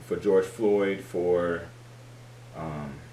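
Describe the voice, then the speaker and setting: A man's voice with audible room echo. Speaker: YouTuber giving commentary. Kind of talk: casual monologue vlog. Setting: at home, late at night.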